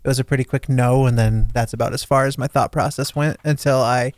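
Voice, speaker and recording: A man's voice: medium pitch, steady tone, brisk, no echo, studio quality. A man co-hosting a casual book podcast, laid-back and joking. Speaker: podcast co-host.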